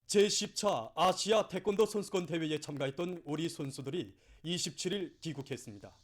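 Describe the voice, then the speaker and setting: A news announcer with a North Korean accent and a higher-pitched voice reads formal scripted news at a brisk pace. His delivery is solemn, fervent and declamatory, in the manner of state broadcasting.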